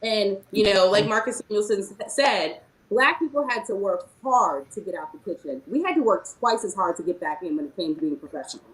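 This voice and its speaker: A woman's voice: medium pitch, lively intonation, brisk, hardly any pauses. Earnest woman chef in an echoey room. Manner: earnest, emphatic. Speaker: chef, panelist. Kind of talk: panel discussion, personal story.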